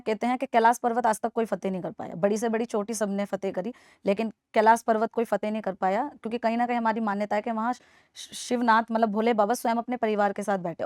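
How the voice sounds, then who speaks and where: A woman's voice: fairly high pitch, a little mellow, no room sound, studio quality. A woman in her twenties from Delhi, answering a podcast interviewer in an earnest, persuasive way and repeating her points for emphasis. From Delhi, India. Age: 20s. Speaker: interview guest.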